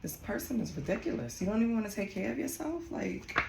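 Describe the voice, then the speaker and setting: A woman's voice: mid-range voice, quick pace, gravelly. A woman from Costa Rica giving a casual tarot reading, talking bluntly and swearing freely. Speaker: tarot reader. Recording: echoey room with steady background noise.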